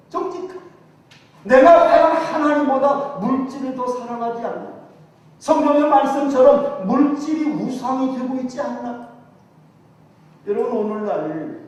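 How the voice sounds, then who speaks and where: An older man preaching a revival sermon with a Chungcheong Korean accent, cracking jokes and urging the congregation to respond. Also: very high-pitched. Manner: humorous, animated, jokes with congregation. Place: large church sanctuary. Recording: echoey hall, distant mic.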